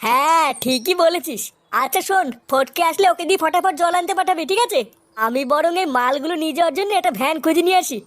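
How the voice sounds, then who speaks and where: A woman's voice: very high voice, quick pace, fairly bright tone, dry recording. A woman voicing a bossy, sceptical, foul-mouthed young village man who leads a gang in a comedy cartoon. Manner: bossy, scoffing.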